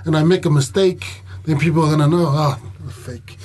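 Husky-voiced man. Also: on the high side, steady tone, moderate pace, darkish tone. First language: Tongan. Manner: laughs easily, restarts phrases. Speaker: professional wrestler guest. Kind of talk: casual podcast chat.

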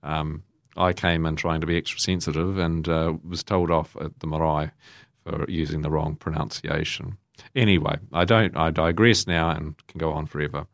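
A middle-aged New Zealand man, a Catholic priest, talking chattily and with self-deprecating humour before leading prayers in a measured voice. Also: very deep voice, fairly even intonation, gravelly, no echo, studio quality. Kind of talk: homily and prayers of the faithful.

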